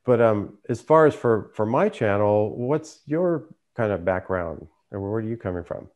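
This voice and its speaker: A man's voice: fairly low pitch, expressive, normal speed, darkish tone. A man who hosts a trading channel, telling his story in a casual, conversational way. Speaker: trader and YouTube channel host.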